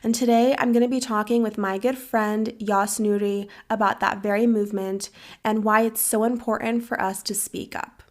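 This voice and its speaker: A young woman hosting a podcast, talking in an earnest, measured and serious way. She grew up in the United States and her first language was Farsi. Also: mid-range voice, steady tone. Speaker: podcast host. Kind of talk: earnest interview and commentary.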